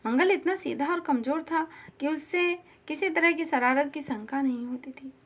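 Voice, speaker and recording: A woman narrating a classic short story aloud in a steady, expressive reading style. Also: high-pitched, moderate pace.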